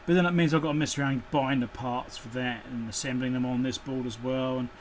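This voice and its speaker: A man's voice: mid-range voice, steady tone, fairly quick, a little hiss or hum. A man giving an off-the-cuff, casual running commentary as he does hands-on work, with muttered asides. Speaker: electronics repair channel host. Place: indoor electronics workbench.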